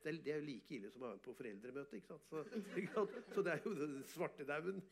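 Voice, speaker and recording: A man, an artist and photographer, telling animated, boastful stories in an interview and often laughing. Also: a little high, gravelly, a crowd in the background. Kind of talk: casual storytelling interview.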